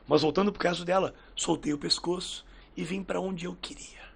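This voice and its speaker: A man with a fairly high, husky voice and a gravelly edge tells stories in a relaxed podcast chat. He acts out what people said in lively little voices. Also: normal speed. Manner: lively storyteller who acts out quoted dialogue. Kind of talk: casual podcast chat, storytelling.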